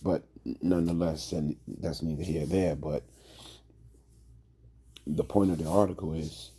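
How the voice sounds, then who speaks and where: A man giving an informal religious lesson, hoarse from a cold, talking in a drawl with many fillers. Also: a bass voice, dark tone. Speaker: religious teacher.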